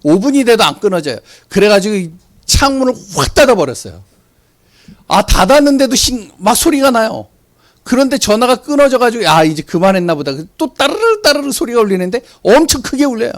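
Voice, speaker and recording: Animated male pastor preaching, high and lively. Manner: animated storytelling, rhetorical questions, sudden drops to quiet. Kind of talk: sermon.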